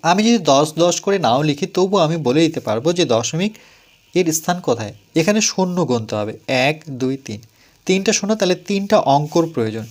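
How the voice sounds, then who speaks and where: A man's voice: on the high side, sing-song, fairly quick. Patient man explaining math step by step. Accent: West Bengal Bengali. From West Bengal, India. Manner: patient, repeats and counts steps aloud, asks and answers own questions. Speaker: math teacher.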